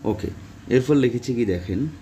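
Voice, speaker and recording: A man runs a casual spoken lesson, with a voice of ordinary pitch. He repeats each phrase slowly and lectures his viewers now and then. Faint noise hums behind him. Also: animated, warm tone. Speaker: Arabic language teacher.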